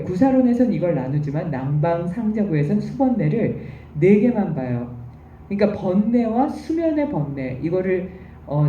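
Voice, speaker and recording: A woman with a low, very dark and mellow voice lectures patiently, her pitch rising and falling in a lively way. She sounds set back from the mic in an echoey room, and the recording is dull. A faint hiss of room ambience sits behind her. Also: recorded from a distance. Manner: patient explanatory teaching.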